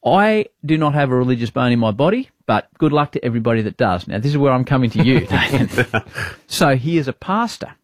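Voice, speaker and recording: A man's voice: medium pitch, big pitch swings, fairly quick, no room sound, studio quality. An Australian man hosting a casual radio chat, joking and asking teasing questions with frequent laughter. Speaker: radio host. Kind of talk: casual banter.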